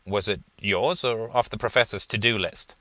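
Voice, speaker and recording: A man's voice: lowish voice, normal speed, pushed and bright, dry recording. A man doing a wisecracking young buddy. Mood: teasing. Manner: sarcastic, joking. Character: young male friend, wisecracking and teasing.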